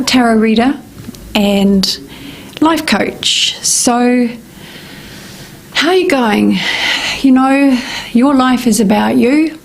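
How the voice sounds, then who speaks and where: A middle-aged woman from New Zealand, a life coach hosting a casual radio talk segment, with a slightly croaky voice and a meandering way of speaking, full of ums and restarts. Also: fairly high pitch, low-quality recording.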